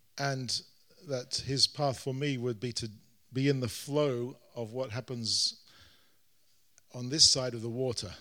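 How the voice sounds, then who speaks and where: This man's voice has a bright, sharp tone and a medium pitch, with fairly even intonation. He speaks at a very slow pace with long, frequent pauses, on a very clean recording against a silent background. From London, England. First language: English (speaking German). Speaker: Baptist pastor, guest preacher. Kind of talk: prayer; sermon delivered through an interpreter.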